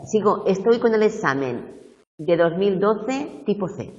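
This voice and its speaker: A woman university tutor going over exam questions slowly, checking whether her students follow. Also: medium pitch, lively intonation, darkish tone, recorded from a distance, highs cut off.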